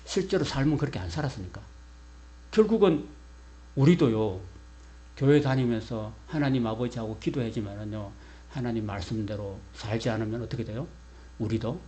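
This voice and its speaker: Korean pastor preaching over a low hum. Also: male voice, warm tone. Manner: asks the congregation questions and answers them himself; leads a call-and-response with the congregation. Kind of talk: sermon.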